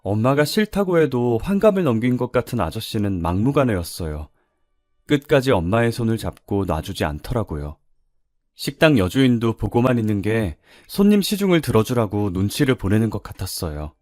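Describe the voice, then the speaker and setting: Brief: male narrator reading a viewer's story, lively intonation, dry recording. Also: on the low side, normal speed, no room sound, faint music behind.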